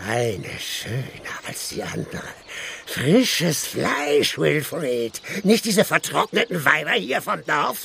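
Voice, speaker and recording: Clear background noise sits behind a man speaking at a fairly slow pace. His fairly high voice makes very wide pitch swings. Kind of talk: German radio-play acting. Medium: audio drama. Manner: sneering, mocking, arrogant.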